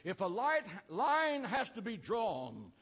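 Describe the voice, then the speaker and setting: Older man, pastor-orator, high lively pitch, slow deliberate delivery, long reverb of an outdoor rally. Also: breathy edge. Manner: slow, emphatic, repeated refrains, rising to shouts. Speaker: pastor giving a speech. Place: outdoor rally at an ancient port.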